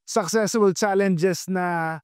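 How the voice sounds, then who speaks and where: Male sports-show host, high-pitched and smooth, probing interviewer, dry close mic. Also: steady tone, slow pace, no room sound. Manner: switches between local language and English mid-sentence, probing. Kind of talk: interview questions.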